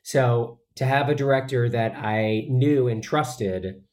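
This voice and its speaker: Slow and darkish in tone, a man's mid-range voice carries an actor's interview answers. He talks earnestly and chattily, often restarting and filling pauses.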